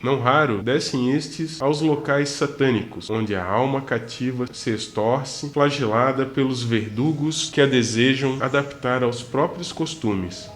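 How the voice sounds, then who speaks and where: A man playing a solemn, instructive priest spirit in an amateur radio drama, speaking in a measured, sermon-like way. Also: mid-range voice, close to an everyday voice. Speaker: radio novela character.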